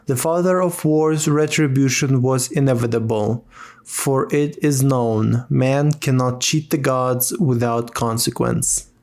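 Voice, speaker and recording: A man voices a stern, solemn keeper of tribal lore for a fantasy game. His mid-range voice moves slowly and deliberately through each grave statement. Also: medium pitch, fairly even intonation, a little mellow, close to an everyday voice.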